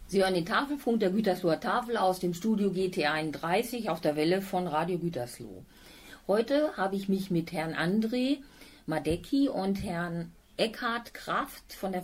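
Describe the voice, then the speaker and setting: A woman's voice: on the low side, animated, normal speed. A woman hosting a local charity radio show, interviewing guests in a friendly, encouraging way.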